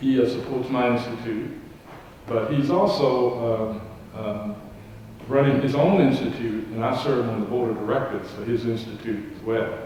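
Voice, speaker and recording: The speaker talks at a moderate pace in a Southern US accent with ordinary pitch variation. Noticeable background noise and audible room echo fill the recording. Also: man, medium pitch for a man. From US South. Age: 80s+. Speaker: author and former mayor. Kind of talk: Q&A answers at book talk. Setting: library event with audience.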